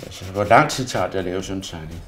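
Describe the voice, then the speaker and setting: A man's voice: low voice, a bit bright, a little hiss or hum. A man who is an artist, thinking aloud as he demonstrates a pastel drawing, rambling and often murmuring to himself. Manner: rambling, self-murmuring, often drops to a near mutter.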